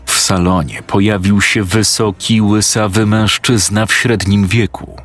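A man narrating a scripted horror story in a measured, suspenseful way. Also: fairly low pitch, fairly even intonation, soft background music.

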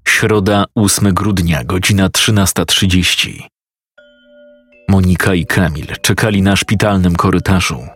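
A man narrating a horror story in a measured, storytelling manner. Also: low-pitched, steady tone, a bit bright, husky.

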